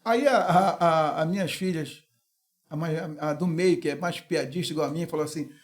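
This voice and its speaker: Cara brasileiro pastor, fala animado e conta histórias, voz alta e aguda. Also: male voice, on the high side, moderate pace. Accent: Brazilian. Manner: animated, acts out voices in anecdotes. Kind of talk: casual storytelling chat.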